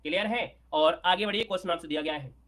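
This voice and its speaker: High bright-voiced male Hindi tutor. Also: quick pace. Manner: talks through answers, repeats words, asks if clear. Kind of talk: exam prep lesson.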